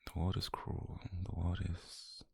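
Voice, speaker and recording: A British man playing a calm, possessive, obsessed doctor in an intimate ASMR roleplay, speaking slowly and haltingly in a husky, breathy near-whisper. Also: dry recording, studio quality, close to an everyday voice. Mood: obsessive, intimate. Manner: slow, halting, intimate delivery.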